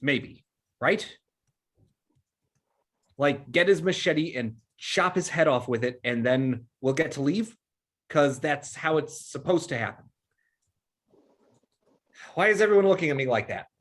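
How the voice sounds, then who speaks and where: A man's voice: fairly high pitch, animated, measured pace, pauses often, fairly bright tone. An actor playing an anxious, earnest teenage boy, plain-spoken and urgent, in a horror comedy script read.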